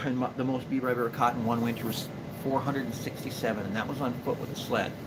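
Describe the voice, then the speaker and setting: A man's voice: medium pitch, steady tone, fast talker, heavy background noise. A man in his forties with an Upper Midwest accent, chatting casually on a live stream, rambling with fillers and restarts. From Minnesota. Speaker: livestream host and beaver trapper. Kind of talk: casual live stream chat answering viewers.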